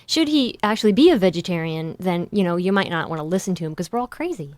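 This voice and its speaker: A woman's voice: on the low side, animated, fast talker, a little mellow, dry recording, clean studio sound. A woman co-hosting a podcast in casual chat, with brief reactions and easy laughter. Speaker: podcast co-host.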